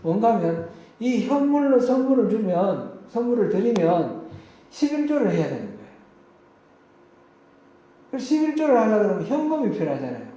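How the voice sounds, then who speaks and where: A man's voice: high-pitched, very animated, normal speed, pauses often, dark tone. A man pastor preaching a midweek sermon in a church, telling personal anecdotes in a conversational way. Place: church sanctuary. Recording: very echoey church hall.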